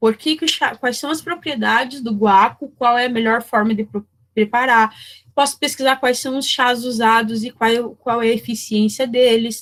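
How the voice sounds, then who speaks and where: A high-pitched woman at a moderate pace with fairly even intonation. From interior of Paraná, Brazil. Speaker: teacher. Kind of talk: lecture.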